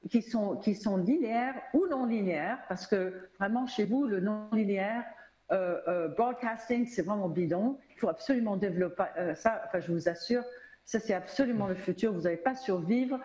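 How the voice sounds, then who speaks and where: A woman's voice: mid-range voice, moderate pace, dark tone, echoey room, rough recording. An American-born woman, a media analyst on a panel, talking emphatically with many restarts and words mixed in. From United States. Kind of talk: panel discussion. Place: auditorium stage.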